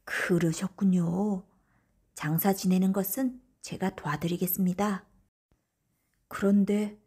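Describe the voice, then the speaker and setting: A woman's voice: lowish voice, warm tone, breathy edge, exaggerated voice. A woman voicing a humble, curious male salt peddler in a folktale storybook, polite and earnest in manner.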